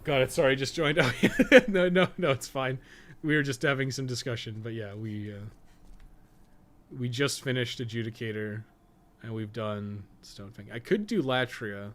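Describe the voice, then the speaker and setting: A man with a mid-pitched voice talks off the cuff on a gaming livestream. He is blunt and opinionated, speaking in a loose, conversational way as he reasons things out aloud. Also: normal speed, a bit bright. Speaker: live streamer and podcast co-host. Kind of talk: casual livestream chat and gameplay commentary.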